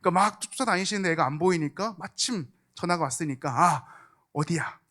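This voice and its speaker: A man's voice: high voice, fast talker, bright, forceful tone. A young man preaching a sermon in a church, telling a personal story with acted-out quotes and dropping at times to a near whisper. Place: church sanctuary.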